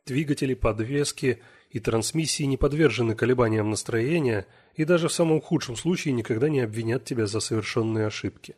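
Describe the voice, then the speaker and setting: Brief: male audiobook narrator, husky, mid-pitched, measured. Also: darkish tone. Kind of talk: scripted narration.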